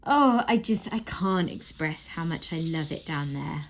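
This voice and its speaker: Woman, thirties, low-pitched, gravelly fry, rambling crafting chat, soft laughs. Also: animated, a little slow, slight background noise. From Wales. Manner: rambling, warm, frequent soft laughs and restarts. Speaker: crafting channel host. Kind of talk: chatty monologue while crafting.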